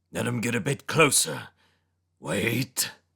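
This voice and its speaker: Using a raspy, put-on character voice, a man speaks at a medium pitch and a fairly slow pace. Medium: read story. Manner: harsh, barking orders.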